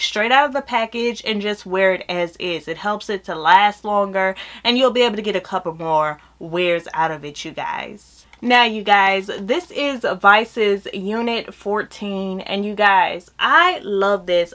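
A young American woman talks casually to her viewers in a beauty vlog. Her voice sits at a middle pitch, and she is sassy and playful, leaning on slang and little check-ins as she reviews a product. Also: fairly bright tone. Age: young adult. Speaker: beauty vlogger. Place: small indoor room with shelves.

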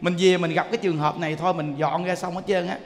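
A man's voice: sits high, quick pace, long reverb tail. A man with a Southern Vietnamese accent giving a Buddhist dharma talk as a monk, telling stories with jokes and speaking straight to his audience. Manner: lively, joking storyteller addressing the audience. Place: temple lecture hall.

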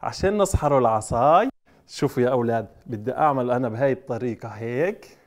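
A fast-talking man with a medium-pitched, lively voice presents magic tricks to children, leading them in call-and-response. He coaxes the kids along with playful exclamations, in the style of a lively children's show.

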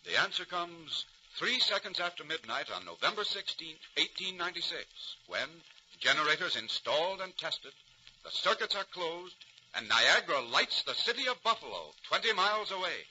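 A man's voice: on the high side, sing-song, moderate pace, bright, forceful tone, a little hiss or hum. A man with an American accent giving grand, emphatic, dramatic scripted narration in 1940s radio style. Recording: muffled 1940s radio recording.

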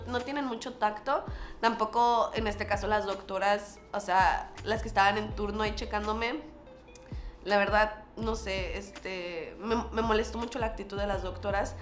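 A Mexican woman vlogger telling a personal story in a casual, animated way, acting out quoted dialogue. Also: medium pitch, roomy sound. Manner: animated, acts out quoted dialogue with lots of fillers.

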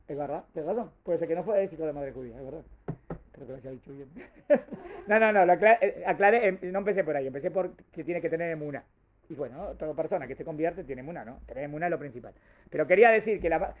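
A man teaching a Torah class, asking the room questions and answering them himself. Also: sits high. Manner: questioning and animated, answers his own questions.

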